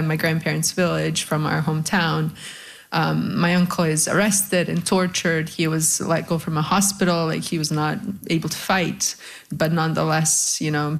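A woman's voice: sits low, gravelly. A woman in her thirties from Bosnia, a guest speaking thoughtfully on a panel, with many fillers and restarts. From Bosnia-Herzegovina. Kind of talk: reflective panel discussion.

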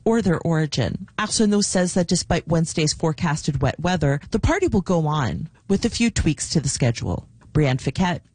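A woman reporter reading a scripted news voice-over crisply. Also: lowish voice, darkish tone, no echo.

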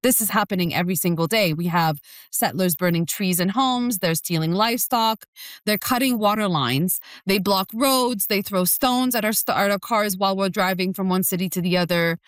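A woman's voice: mid-range voice, moderate pace, dry recording. Earnest woman in a dry interview. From Jerusalem. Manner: earnest, urgent, frequent fillers. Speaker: interview guest, humanitarian. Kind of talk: remote news interview.

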